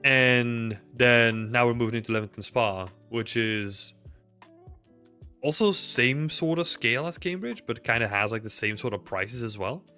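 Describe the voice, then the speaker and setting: Streaming from a small home room through a desk mic with headphones, this thirty-something Belgian host chats loosely with viewers, filling his rambling answers to chat with lots of fillers. His mid-range voice sounds pushed, bright and smooth, and he speaks unhurriedly. Faint music plays behind him.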